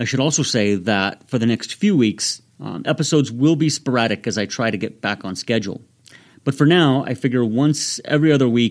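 A man uses an unremarkable speaking voice and keeps to a moderate pace. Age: young. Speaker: history podcast host. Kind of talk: scripted narration. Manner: frequent filler ums.

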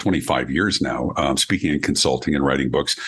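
Speaking fairly quickly, a man's voice shows vocal fry. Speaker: customer experience expert and keynote speaker. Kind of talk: interview.

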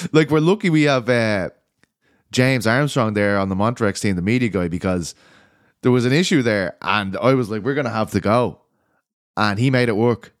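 A man with a Dublin accent, medium in pitch, lively in intonation and animated in tone, at a moderate pace with long, frequent pauses, on a very clean recording with a silent background. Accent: Irish, Dublin. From Ireland, Dublin. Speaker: MMA podcast host. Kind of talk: casual chat.

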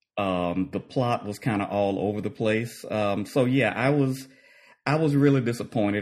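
Against a quiet background, a man with a normal speaking voice talks at a moderate pace with ordinary pitch variation. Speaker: podcast panel guest. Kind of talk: casual chat.

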